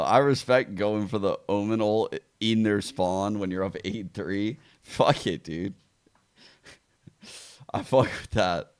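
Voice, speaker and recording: A streamer with a very deep voice reacts to the match in loose, easygoing chat. He swears freely and laughs easily. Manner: laid-back, swears, laughs often. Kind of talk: casual reactive commentary.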